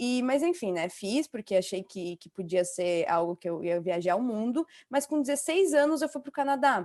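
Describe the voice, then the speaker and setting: A woman at a fairly high pitch with very wide pitch swings, big swings in loudness, a moderate pace, hardly any pauses, a quiet background and a dry, close sound with no echo. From southern Brazil, Santa Catarina coast. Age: 20s. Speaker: exchange program advisor. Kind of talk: podcast interview. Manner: hesitant, many fillers.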